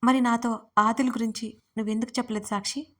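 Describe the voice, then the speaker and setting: A woman voicing a calm, soothing young man. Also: fairly high pitch, fast talker, lightly acted. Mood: calm reasoning. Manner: soothing, persuasive. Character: young man, calm fiancé who patiently reasons.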